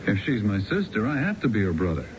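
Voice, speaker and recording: Brash, wheedling ex-convict, very animated. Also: male voice, on the low side, normal speed. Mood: needling. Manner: mocking, pleading, animated. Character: brash wheedling ex-convict brother, needling crook. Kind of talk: radio drama acting. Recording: muffled, noisy old radio broadcast.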